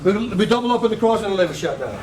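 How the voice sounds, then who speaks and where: A man coaching a striking class, counting out combinations with punch sounds and shouting cues to his students. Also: high-pitched, animated, very fast. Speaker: martial arts coach. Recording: roomy, distant, faint gym noise.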